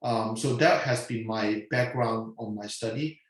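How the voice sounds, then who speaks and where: A man in his forties who grew up in Hong Kong, telling his story as an interview guest in a halting way, with many "okay" and "um" fillers. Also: lowish voice. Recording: very echoey room.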